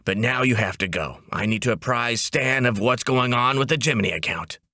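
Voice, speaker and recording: A man voicing a brisk, wisecracking female ad agency boss in a comic audiobook, with a breezy, emphatic manner. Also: medium pitch, animated, pushed and bright, dry recording, studio quality. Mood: breezy, blunt.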